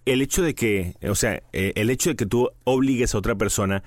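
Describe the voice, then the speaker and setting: A man's voice: fairly low pitch, a little fast, no echo, studio quality. A man co-hosting a casual couple's podcast, playful and teasing, often mimicking excuses in exaggerated voices. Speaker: podcast co-host.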